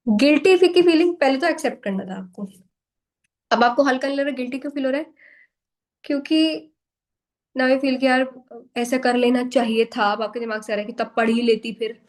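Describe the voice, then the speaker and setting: A young Indian woman with a slightly high voice talks frankly to her workshop over a video call. She slips easily between Hindi and Indian-accented English, candid and self-deprecating as she coaches. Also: fairly quick, long pauses, rough recording. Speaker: workshop host. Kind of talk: casual motivational talk to a live online class.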